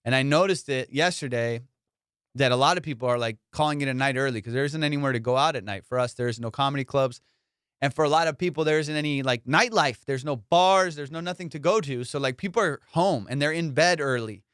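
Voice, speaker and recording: A man hosts a casual comedy podcast with a clear, smooth voice of medium pitch. He talks in loose slang with plenty of swearing and teasing. The sound is close and dry. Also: quick pace, a bit bright, no echo. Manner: slangy, profane, teasing banter.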